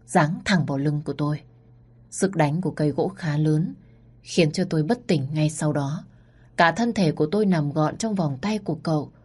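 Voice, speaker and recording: A woman narrating a story in the first person, expressive and acting out the dialogue. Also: low voice, husky.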